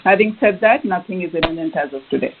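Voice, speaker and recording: A man's voice: high voice, fast talker, background noise. A man speaks through a narrow, tinny conference line. He is a company executive giving formal answers to analysts in careful corporate phrasing. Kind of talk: earnings call answers. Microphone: conference call line. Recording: tinny phone-line sound.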